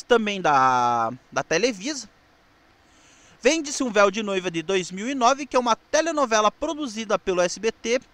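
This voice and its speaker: Male presenter, Brazilian accent, high voice with very varied intonation, informational delivery with casual asides. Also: a bit bright, dry recording. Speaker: presenter of a TV history programme.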